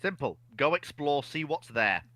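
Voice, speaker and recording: A man's voice: a little high, sing-song, moderate pace, bright, forceful tone, no echo. A man on a panel chatting casually in blunt, clipped short statements. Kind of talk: casual chat.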